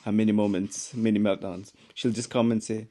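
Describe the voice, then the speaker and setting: Halting, easygoing young man. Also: fairly low pitch, level tone. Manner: halting, restarts a lot, mellow. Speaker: father, co-host. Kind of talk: casual chat.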